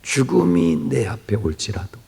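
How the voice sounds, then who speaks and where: A male pastor gives an early-morning sermon in a church, swinging from hushed near-whispers to loud exclamations and asking the congregation questions. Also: medium pitch, sing-song, normal speed, creaky. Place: church sanctuary. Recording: reverberant church hall.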